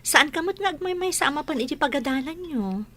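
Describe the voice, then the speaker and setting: A woman's voice: high-pitched, animated, quick pace, fairly bright tone. A woman voicing a mother and teacher who encourages her blind child. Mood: encouraging.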